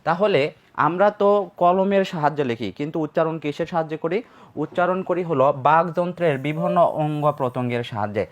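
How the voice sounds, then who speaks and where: Male grammar teacher, a bit high-pitched, lecturing over slides with question-and-answer drills and repeated points. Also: fast talker. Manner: asks questions and answers them himself; repeats key points for emphasis.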